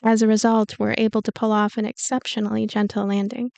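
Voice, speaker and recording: A woman reading a visual novel aloud in an expressive storytelling way, with casual commentary asides. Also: medium pitch, fairly quick, gravelly, dry recording. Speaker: let's play narrator and commentator. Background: game music.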